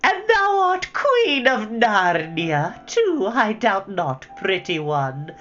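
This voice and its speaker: A woman's voice: very animated, dull audio, faint music behind. Woman voicing a coaxing, sweetly menacing queen. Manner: high, slow, lilting and soothing.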